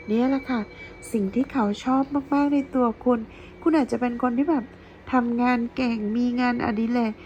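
A woman's voice: high-pitched, a little mellow, muffled recording, slight background noise. A woman giving a chatty tarot reading to her viewers, playful and gushing, full of teasing praise. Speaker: tarot reader.

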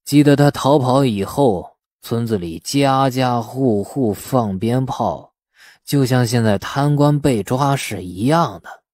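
Here is a bitter old villager from an audiobook, acted out by a male narrator. He drags his words out in a slow, scornful drawl, sneering as he goes. The sound is close and dry. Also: mid-range voice, a little mellow, dry recording, close to an everyday voice. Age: older. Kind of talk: audiobook character acting.

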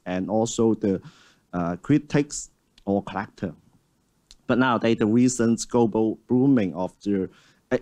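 Halting man moderating a panel. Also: lowish voice, a little mellow. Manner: halting, with many fillers and restarts. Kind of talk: conference panel discussion. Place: stage of a large auditorium.

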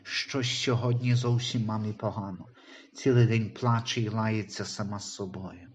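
A man voicing a timid, trusting unborn baby boy in a Christian audio story, speaking softly and questioningly. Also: lowish voice, steady tone, normal speed, lo-fi sound, a little hiss or hum, natural voice.

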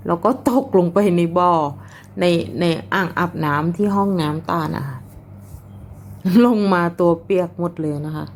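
A woman's voice: on the low side, gravelly, darkish tone, a little hiss or hum. A woman chatting casually while filming her pet cat, laughing often and talking to the cat between stories. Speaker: cat owner vlogger.

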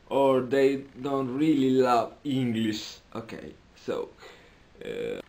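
A man in his twenties with an Italian accent, chatting casually as a vlogger in halting, hesitant English as a native Italian speaker. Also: fairly low pitch. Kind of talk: casual vlog chat. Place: small cluttered room indoors.

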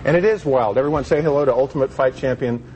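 Guy hosting a live tv interview, chatty presenter voice, medium pitch, little bit of noise behind. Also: fast, a little mellow, rough recording. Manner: conversational, presenter-like. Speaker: television interviewer, host. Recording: slight background noise.

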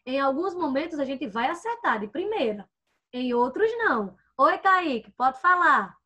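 A first-grade teacher speaks in a high-pitched, sing-song, sharp-toned voice as she teaches young children online via a computer microphone with headphones. Patient and coaxing, she's fond of diminutives, checks in often and sounds out syllables slowly.

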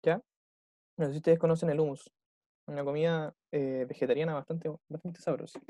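A man with a Chilean Spanish accent teaches English, patiently guiding a class through a recorded dialogue and checking in with "¿ya?" and "¿cierto?" after every point. His slightly high voice is steady, fairly quick, and warm, though the audio sounds dull.

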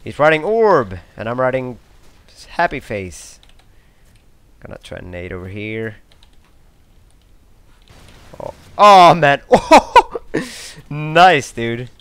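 Excitable young gamer, lively swearing. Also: male voice, medium pitch, drawn-out words, pauses often, clear, resonant tone, no echo. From Sweden. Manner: excitable, swears often, sudden outbursts. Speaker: gameplay commentator. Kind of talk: live gameplay commentary.

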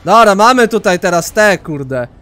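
A man from Poland hosting a let's play, rambling excitably and swearing casually as he plays. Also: high voice, moderate pace, faint music behind.

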